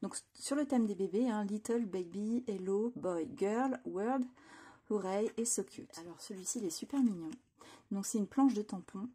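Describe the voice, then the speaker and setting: Mellow husky woman chatting. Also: medium pitch, moderate pace. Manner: chatty, enthusiastic, frequent fillers and restarts. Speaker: craft channel host. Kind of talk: casual product haul presentation. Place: home craft room.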